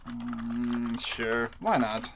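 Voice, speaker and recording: A performer playing a blunt, sceptical coworker in an audio drama, with a deadpan, sardonic manner. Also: medium pitch, very slow, gravelly, noisy background. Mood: casual, teasing. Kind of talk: audio drama acting, casual dialogue.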